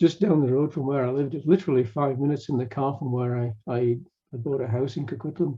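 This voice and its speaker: Talking at a very fast pace, a man sounds somewhat breathy. His pitch variation is ordinary. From Northern England. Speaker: radio museum director and radio restorer. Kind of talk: presentation on a video call. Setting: video call.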